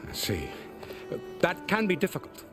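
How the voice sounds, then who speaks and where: An actor playing a grave, courteous male tribal official in a video game, speaking in a measured, formal, slightly hesitant way. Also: sits high, huge pitch swings, music in the background. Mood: cautious, explanatory. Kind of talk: video game cutscene acting.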